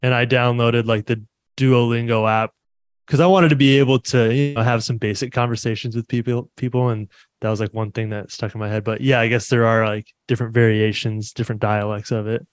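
A man's voice: mid-range voice, flat delivery, brisk, no room sound. Chatty male podcast host, dry sound. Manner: chatty, easygoing, laughs often. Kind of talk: casual interview chat.

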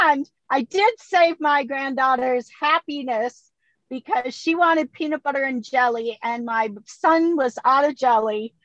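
A high-voiced woman in her sixties who chats away and laughs often. She speaks from inside her car, with a dry, dull, lo-fi sound. Her voice sits well above most women's. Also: lively intonation, slow pace, no echo. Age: 60s. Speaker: guest. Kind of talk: casual video-call chat.

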